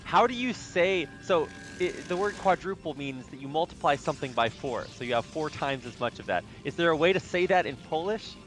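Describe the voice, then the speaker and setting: A man's voice: fairly high pitch, brisk, hardly any pauses, faint music behind. Chatty man casting a game. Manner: chatty and rambling, rising excitedly at action. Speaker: esports caster. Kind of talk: play-by-play commentary.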